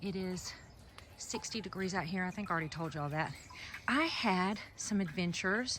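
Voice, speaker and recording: The speaker is a woman. She talks with a Southern US accent. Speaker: gardening vlogger. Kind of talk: garden tour vlog. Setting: outdoors. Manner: animated.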